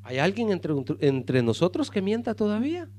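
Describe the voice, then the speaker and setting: A male pastor preaching a sermon with passion, calling the congregation brothers and swinging from loud to hushed. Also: sits high, wildly swooping pitch, moderate pace.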